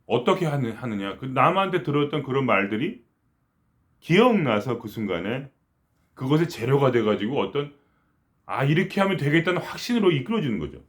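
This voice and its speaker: Rambling man with a lively voice. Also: mid-range voice, a little fast. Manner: rambling, conversational, frequent restarts and self-corrections. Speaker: spiritual teacher. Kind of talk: casual spiritual talk.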